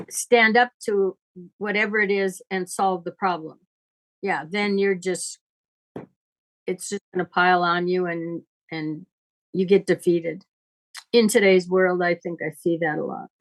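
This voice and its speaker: A woman's voice: on the low side, steady tone, measured pace, poor audio. An older woman talking off the cuff like a teacher in conversation, blunt and probing. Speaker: astrologer giving teachings.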